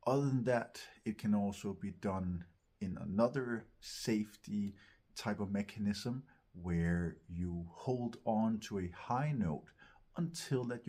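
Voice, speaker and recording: A man with a lowish, husky voice gives instruction as a vocal coach. He talks at an unhurried pace, searching for his phrasing and repeating words for emphasis. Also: dark tone. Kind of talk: instructional talk to camera.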